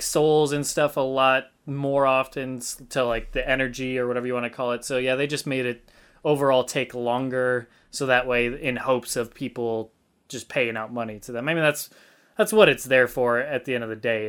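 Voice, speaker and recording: A man's voice: medium pitch, fairly even intonation, moderate pace, a bit bright, clear, resonant tone. A young man hosting a gaming podcast, talking in a loose, rambling way with fillers and the odd swear. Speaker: podcast host. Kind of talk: casual gaming podcast chat.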